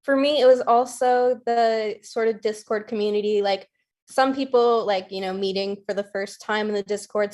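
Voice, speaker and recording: A woman's voice: mid-range voice, a little mellow. A young woman chatting casually over a video call, upbeat and laughing between thoughts. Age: young adult. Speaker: cast member of a charity reading livestream. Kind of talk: casual chat.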